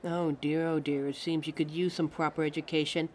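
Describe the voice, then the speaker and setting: A woman's voice: low voice, level tone, fairly quick, a little mellow. A woman playing a vain, easily offended talking fashion mannequin in a scripted audio roleplay, theatrical, condescending and fussy. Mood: bossy, fussy. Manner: theatrical, condescending, fussy, calls listeners darling.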